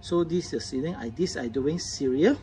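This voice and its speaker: Mellow-voiced man, halting Southeast Asian demo. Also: a little high, expressive, a little hiss or hum. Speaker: product demonstrator. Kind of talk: unscripted hands-on product demonstration. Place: indoors at a tabletop, faint background noise.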